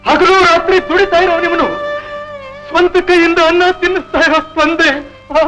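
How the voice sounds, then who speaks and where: An actor playing a devout, gentle village potter in a devotional film, singing slowly and then speaking with fervent reverence. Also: male voice, extremely high pitch, flat delivery, music in the background, low-quality recording. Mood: pained rebuke. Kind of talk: 1970s film acting.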